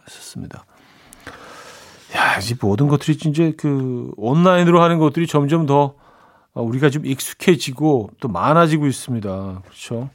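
A man's voice: mid-range voice, animated, normal speed. A man hosting a radio music show, chatting in a friendly way and reading out listener messages. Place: radio studio.

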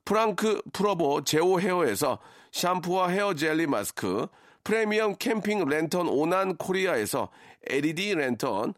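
A man's voice: a little high, no room sound, studio quality. A man hosting a live radio phone-in, speaking in mock-formal style with an emphatic prize-announcer delivery. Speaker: radio show host.

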